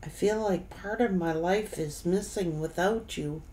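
A middle-aged woman giving an unscripted tarot reading in halting, broken phrases that she often repeats. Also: on the low side, warm tone, slight background noise, low-quality recording. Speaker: tarot reader. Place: indoor room, seated at a table.

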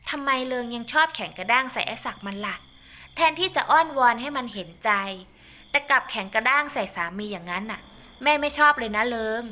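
A woman's voice: fairly high pitch, animated, fast, sharp tone, pitched above the performer's own voice. A woman voicing an older mother-in-law who scolds and coaxes her daughter in a motherly way. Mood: scolding. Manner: lecturing, coaxing, motherly.

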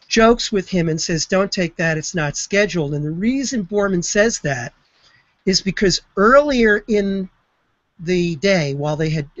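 A man who studies spaceflight history retells an event with lively enthusiasm in an online video chat. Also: sits high, no room sound. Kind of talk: storytelling explanation. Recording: slightly muffled web broadcast.

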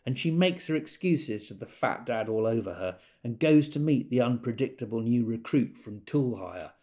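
A man's voice: mid-range voice, lively intonation, moderate pace, warm tone, natural voice. An actor playing a wry gay man who tells of a party in an observant, dramatised literary monologue. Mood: reflective.

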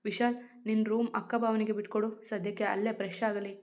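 A woman's voice: medium pitch, flat delivery, a little fast, darkish tone, close to an everyday voice. A woman voicing a resentful middle-aged stepmother who talks in a sarcastic, scolding way. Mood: falsely sweet.

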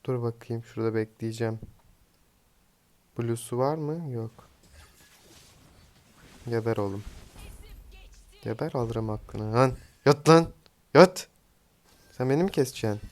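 Young male gaming streamer, smooth clear voice, mid pitch, chatty and teasing play-by-play. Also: a little slow, long pauses, dark tone. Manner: chatty, teasing, swears casually at teammates. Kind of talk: casual live gameplay commentary.

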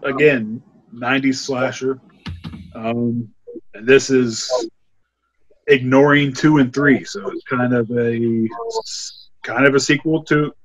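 A man with a slightly husky, mid-pitched voice talks over a desk mic on a video call. He rambles through his opinions with loose restarts and bursts of laughter. It sounds like casual podcast chat from a home room. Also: no room sound, lo-fi sound. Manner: rambling, laughing, animated when amused. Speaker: podcast co-host, horror film reviewer. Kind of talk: casual film review chat.

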